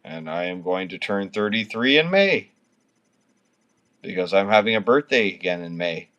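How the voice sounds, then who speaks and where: This is a Canadian man in his thirties on a livestream, casually chatting with viewers while drunk, slurring, rambling, and swearing all the time. He speaks at normal speed in a low, expressive, slightly bright voice, and the recording's highs are cut off.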